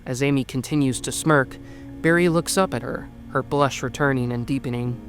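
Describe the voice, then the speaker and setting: Casting: woman narrator with a remarkably deep voice, reading story narration over soft music. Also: normal speed.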